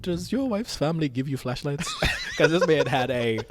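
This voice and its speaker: A man's voice: on the high side, normal speed, long reverb tail, background noise. A man from Tanzania chatting casually on a podcast, telling stories with lots of laughter. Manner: laughing, animated storyteller. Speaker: podcast co-host. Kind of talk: casual chat.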